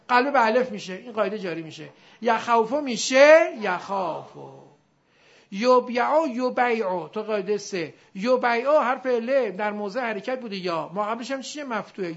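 A male teacher giving a classroom grammar lesson, drilling his students and drawing out example words slowly. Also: very high-pitched, fairly bright tone. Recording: dull lo-fi recording.

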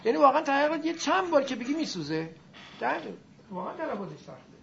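Teacher in a classroom, animated pitch, gravelly texture, dull lo-fi recording. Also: slight background noise. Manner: demonstrates sounds aloud and quizzes the class. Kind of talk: classroom lesson on Arabic grammar and pronunciation.

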